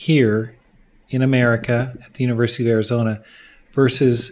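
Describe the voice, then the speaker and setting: This man talks at a fairly quick pace in a medium pitch. His intonation stays fairly even. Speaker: podcast host. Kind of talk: casual interview.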